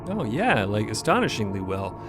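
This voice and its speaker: A man's voice: fairly low pitch, sing-song, moderate pace. A man narrating a scripted drama podcast in a theatrical storytelling style. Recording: loud music under the voice. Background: music.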